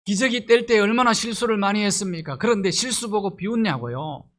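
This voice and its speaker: A man's voice: high-pitched, brisk, fairly bright tone. A middle-aged male pastor delivering a sermon, pressing his points with rhetorical questions and rising emphasis.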